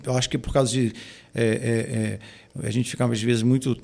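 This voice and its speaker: Gravelly yet a little mellow, this forties-aged man's voice is flat in delivery and moderate in pace. He's a pastor and music arranger in a relaxed podcast conversation, hesitating often and repeating or restarting his words.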